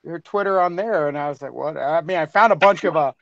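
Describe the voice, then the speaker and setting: A man's voice: on the high side, fast talker, vocal fry, fairly bright tone, no room sound, highs cut off. A man co-creating a podcast, chatting casually on a remote call in a chatty, self-deprecating way. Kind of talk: casual panel chat.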